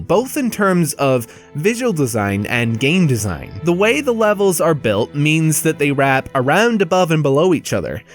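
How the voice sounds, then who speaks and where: Male game reviewer. Higher-set, very animated voice, blunt casual delivery. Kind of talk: casual scripted review narration.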